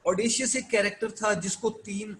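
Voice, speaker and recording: Male lecturer, slightly high voice, patient explaining, faint background hiss. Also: fairly even intonation, fairly bright tone, low-quality recording. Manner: slow, explanatory, reads English passages very slowly. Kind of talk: online lecture explaining notes. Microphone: screen-share recording.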